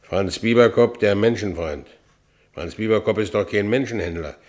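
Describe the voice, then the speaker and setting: Franz Bieberkopf is a low-voiced Berlin working man played by an actor, an ex-convict with a gullible, earthy streak. He tells his own story in colloquial Berlin speech, as in a radio drama, always justifying himself. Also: normal speed, a little mellow, close to an everyday voice. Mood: wry narrating. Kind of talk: radio play narration and dialogue.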